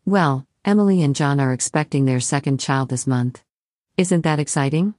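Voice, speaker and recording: Woman co-host, very low voice, dry close sound, matter-of-fact. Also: moderate pace, a little mellow, dry recording. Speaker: podcast co-host. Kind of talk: scripted chat.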